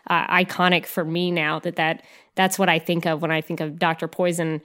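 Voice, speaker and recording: A woman with a fairly low voice chats about a film scene in a podcast. She often restarts her sentences and fills gaps with "uh" and "um". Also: flat delivery, a bit bright. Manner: halting, many restarts and fillers. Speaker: podcast co-host. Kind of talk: casual film discussion.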